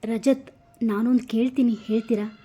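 Brief: woman reading a feisty, pouting young woman in a storybook, fairly high and mellow. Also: moderate pace, natural voice. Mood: pouty. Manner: pouting, lively. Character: spirited young woman, pouty and affectionate. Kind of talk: storybook narration.

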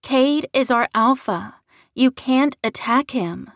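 Woman acting a high, nervous, pleading young woman. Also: a little slow, no room sound, clean studio sound. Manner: shaky, pleading, earnest.

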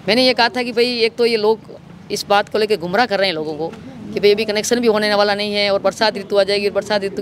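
High-voiced Rajasthani man, outdoors. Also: fairly bright tone. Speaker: local political party worker, interviewee. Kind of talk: street interview, recounting an incident. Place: outdoors in an office compound. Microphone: handheld reporter microphone. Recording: outdoor street noise.

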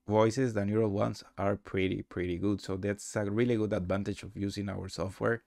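Low-voiced man, halting tutorial narrator. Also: no room sound, studio quality. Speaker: host demonstrating his software. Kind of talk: casual software tutorial narration.

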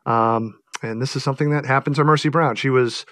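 A man's voice: mid-range voice, fairly even intonation, brisk, fairly bright tone, no room sound, clean studio sound. Thoughtful man answering interview questions. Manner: thoughtful, hesitant, with many fillers and restarts. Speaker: author guest.

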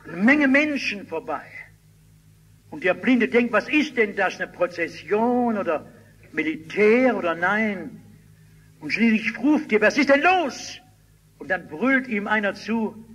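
Husky older preacher. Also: male voice, sits high, low-quality recording. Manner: animated storytelling, shouting out quoted cries. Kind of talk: sermon.

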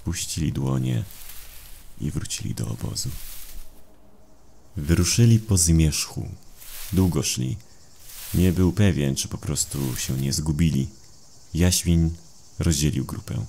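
A man narrating a dramatised horror story in a gravelly voice, slow and brooding in his delivery. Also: extremely low pitch, animated, dark tone, a little hiss or hum. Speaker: audiobook narrator. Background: atmospheric sound effects.

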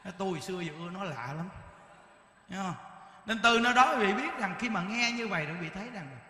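A man's voice: sits high, fast, echoey room, long reverb tail. A man giving a Buddhist dharma talk, telling stories animatedly and asking rhetorical questions. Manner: animated storytelling, acts out dialogue, rhetorical questions. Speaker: Buddhist monk teacher.

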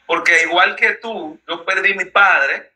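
A man with a Dominican Spanish accent hosts a conversational interview, sharing his own experience and pressing his guest with pointed questions. His voice sits high for a man and has a very bright, forward tone. He speaks earnestly and in a personal way. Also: steady tone, unhurried, poor audio. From Dominican Republic.

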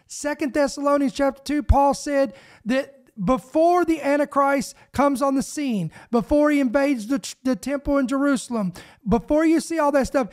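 A middle-aged man preaches and prays on his ministry podcast, fervent and emphatic. He speaks close into a boom microphone in a small home studio. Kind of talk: podcast preaching and spoken prayer. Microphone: boom microphone close to the mouth.

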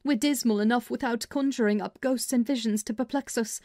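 A woman's voice: fairly high pitch, fairly even intonation, fairly quick, a little mellow, no echo, clean studio sound, natural voice. A woman voicing a sensible, skeptical servant woman in a dramatized audiobook, practical and chiding. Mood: chiding, uneasy. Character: sensible, skeptical servant woman advising her young mistress. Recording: music under the voice.

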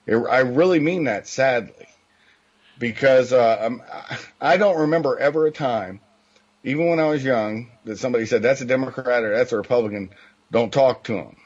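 A man's voice: mid-range voice, moderate pace, husky. Blunt guest guy on talk radio, mid voice, sounds muffled and lo-fi. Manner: blunt, matter-of-fact. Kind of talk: political talk radio chat. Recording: dull lo-fi line.

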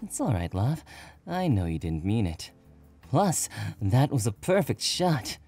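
A woman's voice: very deep voice, sing-song, dark tone, faint music behind, full character voice. A woman doing a teasing young boyfriend. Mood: gentle. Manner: teasing, drawn-out playful delivery. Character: teasing playful young man, affectionate boyfriend.

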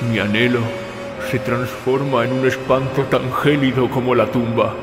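A man's voice: medium pitch, close to an everyday voice. A man playing an older narrator haunted by memory, telling a horror story dramatically in the first person. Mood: hushed horror. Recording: music behind the voice.

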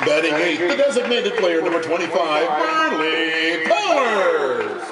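A man's voice: fairly high pitch, sing-song, unhurried, over loud music. A middle-aged American man working as a public-address announcer, reading out team lineups formally and drawing out the players' names. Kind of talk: announcing softball starting lineups. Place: stadium press box. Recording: echoey, distant mic, loud crowd noise.

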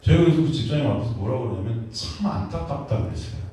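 A man in his thirties preaching a sermon as pastor, animated, dropping to a hush and then rising to shouted questions. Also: medium pitch, very fast. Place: church hall in a basement. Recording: echoey hall, mic far off.

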